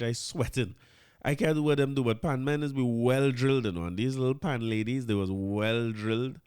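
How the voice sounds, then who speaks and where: A man's voice: lowish voice, dry recording. A man with a Trinidadian accent hosting a podcast, commenting casually and often repeating his words as he talks. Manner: chatty, animated, repeats words, mixes in Trinidadian Creole. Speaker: podcast host.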